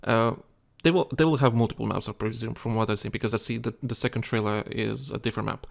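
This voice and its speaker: A man's voice: fairly low pitch, steady tone, fast, vocal fry. A tired man co-hosting a casual gaming chat show, rambling with many restarts and fillers. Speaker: podcast co-host.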